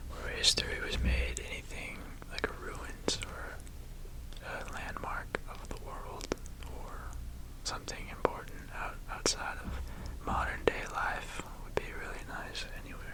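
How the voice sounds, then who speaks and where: A man whispers in a gentle tone at a fairly slow pace, his loudness swinging widely, with noticeable background noise behind him. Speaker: musician. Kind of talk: ASMR Q&A. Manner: whispered, gentle.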